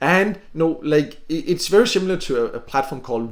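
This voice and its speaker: Talking at a very fast pace, a man with a non-native accent shows ordinary pitch variation. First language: not English. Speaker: online earning reviewer. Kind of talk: screen-recorded tutorial review. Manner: hesitant, many fillers and repeats.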